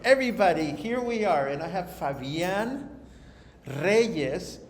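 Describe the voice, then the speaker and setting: Man, bright playful live show host, echoey room with noise. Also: sits high, lively intonation. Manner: playful, chatty, drawn-out phrasing. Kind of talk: live interview chat.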